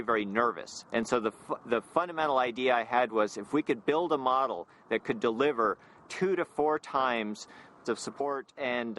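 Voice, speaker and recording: Deliberate male company founder, faint ambient noise. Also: mid-range voice, fairly bright tone. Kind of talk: documentary interview.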